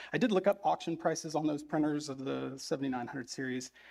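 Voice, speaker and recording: This man speaks with ordinary pitch variation. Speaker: parent speaking at public comment. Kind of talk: public comment at a meeting. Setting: school board meeting. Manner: fast; halting, many fillers.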